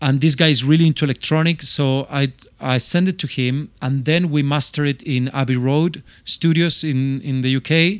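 A man with a Spanish accent talks at a fairly high pitch and moderate pace, with fairly even intonation and hardly any pauses. The recording is very clean, with a silent background. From Chile, Santiago. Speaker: film director and musician. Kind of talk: casual interview chat. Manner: hesitant, many fillers and restarts.

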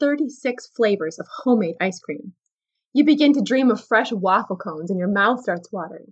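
An unforced reading voice with lively intonation over a quiet background.

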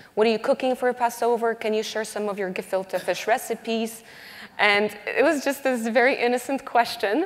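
A woman with a plain, everyday voice, fairly high in pitch, at a moderate pace with ordinary pitch variation. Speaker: foundation director and moderator. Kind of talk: onstage interview. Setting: stage with audience.

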